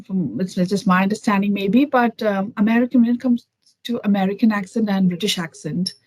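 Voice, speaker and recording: A woman's voice: mid-range voice, brisk, darkish tone, no room sound, low-quality recording. A woman from Kerala with an Indian accent, chatting thoughtfully as a guest on a video call, with many fillers and restarts. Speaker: interview guest. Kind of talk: casual conversation over a video call.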